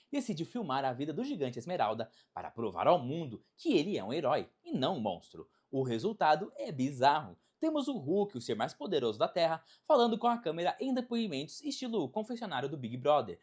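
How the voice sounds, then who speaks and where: Lively, dramatic Brazilian narrator. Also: medium pitch, a little fast, hardly any pauses, husky. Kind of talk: scripted video essay narration.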